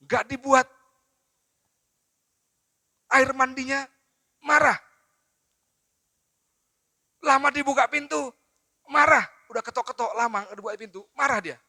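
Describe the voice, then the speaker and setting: A man, preaching at a seminar in a lively storytelling way and talking straight to his audience. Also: very high voice, moderate pace, pauses often, no echo. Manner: lively storytelling with acted quotes, addresses audience directly. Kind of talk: seminar sermon.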